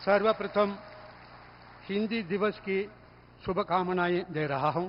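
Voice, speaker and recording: High-pitched male voice with fairly even intonation. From Tamil Nadu. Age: 80s+. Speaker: Hindi scholar and translator. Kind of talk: formal speech. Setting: stage with audience. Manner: formal.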